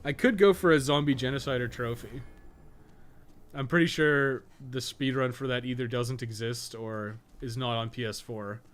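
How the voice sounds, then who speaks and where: A man's voice: mid-range voice, normal speed. A man giving casual, rambling live-stream game commentary, swearing and joking with his chat as he plays.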